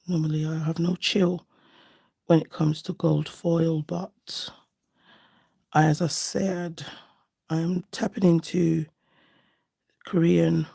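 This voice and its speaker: Woman, low-clarity husky voice, very creaky, slightly hoarse, chatty livestream host, affectionate, thinking aloud. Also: little pitch movement, slow pace, long pauses, warm tone. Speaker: nail art livestream host. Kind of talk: casual live chat while doing nails.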